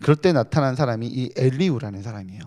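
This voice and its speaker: A male pastor preaches at a late-night prayer meeting in an easy, talking-to-you way. His pitch rises and falls a great deal, and he often throws rhetorical questions at the congregation as he walks through scripture. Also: animated, quick pace, a little mellow.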